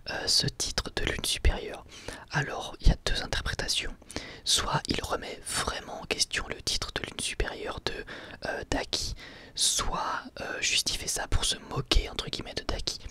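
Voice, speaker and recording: A person whispering an informal, halting ASMR commentary on anime episodes in a breathy, unvoiced voice. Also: medium pitch. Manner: hesitant, halting, informal explaining. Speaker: anime review vlogger.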